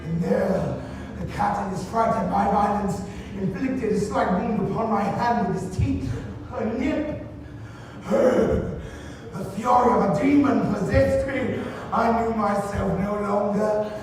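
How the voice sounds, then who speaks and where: A man playing a tormented condemned man confessing his crimes in a halting, theatrical gothic monologue, performed live. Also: high voice, noisy background. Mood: agitated, tormented. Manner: dramatic, halting, haunted delivery. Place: live indoor event space. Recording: echoey hall from far off, music behind.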